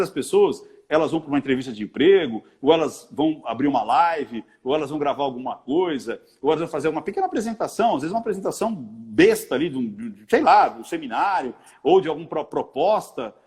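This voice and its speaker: Lively Brazilian man explaining. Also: on the high side. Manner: animated, acts out little quoted dialogues. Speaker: body-language expert. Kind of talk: conversational explanation in an interview.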